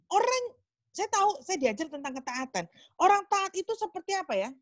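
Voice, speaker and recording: A woman with an extremely high-pitched voice preaches a casual sermon at a small group meeting, chatty and acting out little dialogues with God. There is no room sound.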